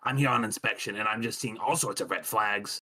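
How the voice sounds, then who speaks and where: A pompous, bossy inspector, as a player puts him on, low and forceful, full of bluster and condescension. He stalls on ums and restarts, then barks orders. The tone is tense and pushy. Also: fairly even intonation, fairly quick, husky. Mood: brusque. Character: brusque male safety inspector, pompous and condescending. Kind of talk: tabletop game role-play.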